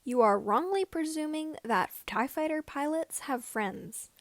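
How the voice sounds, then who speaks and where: A woman's voice: high-pitched, animated, measured pace, dry recording, voice pushed up. A woman reading the part of an aloof, stern male fighter pilot with formal, curt wording in a fan fiction story. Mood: matter-of-fact.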